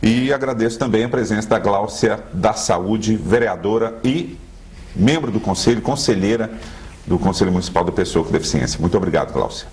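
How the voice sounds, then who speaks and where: A man with a Brazilian accent hosting a local television debate, courteous and measured as he wraps up. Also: lowish voice, darkish tone. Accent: Brazilian Portuguese. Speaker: debate show host.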